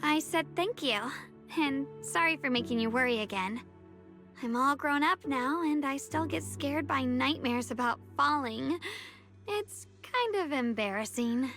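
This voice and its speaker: Young swordswoman from an anime game, real high n soft, takes her time. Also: expressive, unhurried, soft background music, full character voice. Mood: shy, earnest. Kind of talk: anime-style video game voice acting.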